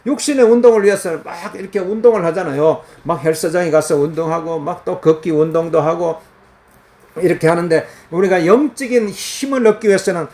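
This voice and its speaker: A man's voice: high-pitched, a little fast, darkish tone. A man preaching a fervent, earnest sermon in the countryside. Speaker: pastor. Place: countryside, crickets and cicadas heard outside.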